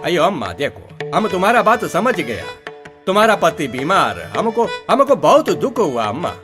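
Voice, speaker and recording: A man's voice: high-pitched, very animated, moderate pace, over music. A man playing a wily, grudging moneylender with a South Indian accent and broken grammar in a radio play. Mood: grudging, dismissive. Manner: broken Hindi, haggling, condescending. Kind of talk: Hindi radio play acting.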